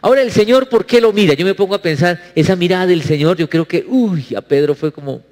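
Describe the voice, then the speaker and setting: A male pastor preaching a sermon, asking his congregation questions, with sweeping swings in pitch. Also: fairly quick, darkish tone, long reverb tail.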